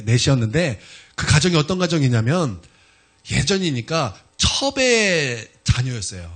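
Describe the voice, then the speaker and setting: Animated, husky-voiced male pastor. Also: medium pitch. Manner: animated narration, acting out quoted voices. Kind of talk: sermon storytelling.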